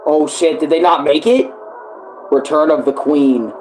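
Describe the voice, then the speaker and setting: A man's voice: on the high side, measured pace, darkish tone, faint music behind. A man giving casual live reaction commentary, full of slang and swearing. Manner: slangy, profanity-laden. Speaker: reaction video host.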